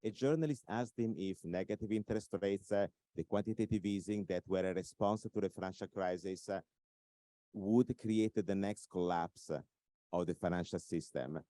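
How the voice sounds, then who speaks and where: This Italian-accented man has a low, mellow voice. He explains his points in an interview, filling pauses with uhs and leaning on the key phrases. The sound is close and dry. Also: dry recording. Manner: explanatory, many filler uhs, emphatic points. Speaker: author and expert speaker. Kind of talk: recorded interview talk.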